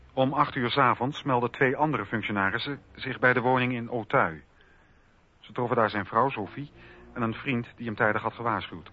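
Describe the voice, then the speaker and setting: A man's voice: mid-range voice, breathy edge, dry recording. A man narrating history from a script for a documentary radio play. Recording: dull radio recording with faint music.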